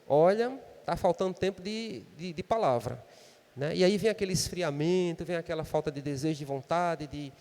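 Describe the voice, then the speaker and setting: At a moderate pace, a man with a slightly high, darkish voice preaches in a large church hall. His Brazilian Portuguese accent colors a conversational sermon in which he often finishes sentences with a questioning "né?".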